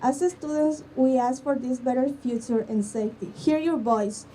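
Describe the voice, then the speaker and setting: A young woman from Guatemala with a Spanish accent, giving an earnest rally speech as a student in halting English. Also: high-pitched, dark tone. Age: young adult. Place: outdoor school campus. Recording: distant mic, faint outdoor noise.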